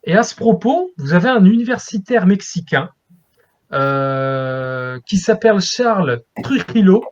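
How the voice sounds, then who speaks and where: A man's voice: high voice, animated, unhurried, highs cut off. A man speaking as a guest expert in an interview, explaining things in a lecturing way as if to students.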